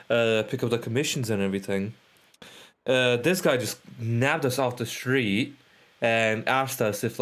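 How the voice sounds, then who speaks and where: A man doing casual live gameplay commentary, rambling, repeating himself and swearing offhand. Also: mid-range voice. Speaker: game livestreamer.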